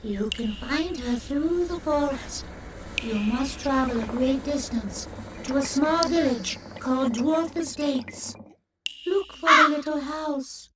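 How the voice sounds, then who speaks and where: A woman voicing an honest magic mirror, measured and courteous, in a children's storybook. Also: high-pitched, far from the mic, background noise. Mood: solemn candor. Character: honest magic mirror addressing the queen respectfully.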